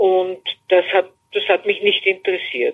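Very slow in pace, a woman talks at a medium pitch. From Vienna, Austria. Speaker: author and activist. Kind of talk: interview. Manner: hesitant with fillers.

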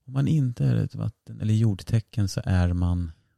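A man speaks with a fairly low pitch and a dark, mellow tone, swinging very widely in pitch. His pace is fairly slow, and the sound is dry and close with no echo. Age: 30s. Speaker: comedian. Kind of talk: casual chat. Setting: at home.

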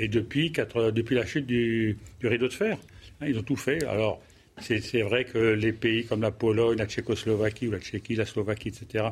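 This man's voice is somewhat breathy, with a moderate pace. The recording is very clean, with a silent background. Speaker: retired army general. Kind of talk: panel discussion.

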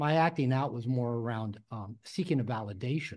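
A man talks at a moderate pace with medium pitch and lively intonation. He has a normal speaking voice. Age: 60s. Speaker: therapist and author. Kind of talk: interview.

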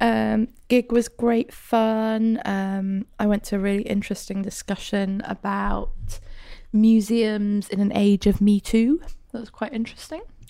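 At a fairly slow pace, a woman speaks in a dark, mellow tone with fairly high pitch. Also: fairly even intonation, very clean recording, silent background. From northwest England, after childhood in Singapore. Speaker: podcast co-host. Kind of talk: casual chat.

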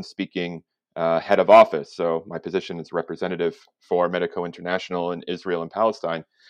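This man has a Boston accent. He keeps a moderate pace and fairly even intonation. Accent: Boston-area American. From Boston area, US. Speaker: NGO office head working in Gaza and Palestine. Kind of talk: interview conversation.

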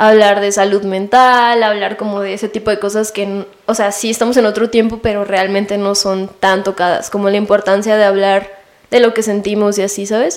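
A woman speaks at a moderate pace in a flat, monotone delivery with a medium pitch. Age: 20s. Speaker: photographer. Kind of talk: interview.

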